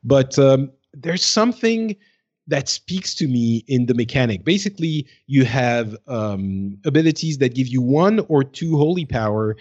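A man's voice: medium pitch, expressive, a little slow, a little mellow, husky, highs cut off. A man co-hosting a casual gaming podcast, thinking aloud in a hesitant way. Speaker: podcast co-host.

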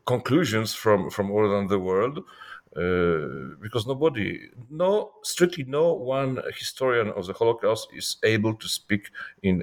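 A man with a Polish accent, a non-native English speaker, giving scholarly interview answers haltingly as he searches for words. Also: lowish voice, vocal fry. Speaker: historian and author being interviewed.

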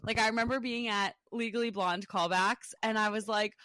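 A woman's voice: mid-range voice, fairly even intonation, moderate pace, bright, forceful tone, no echo. Young woman podcast host rambling, tons of likes, dry close sound. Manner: chatty, lots of fillers and laughs. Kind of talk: casual chat.

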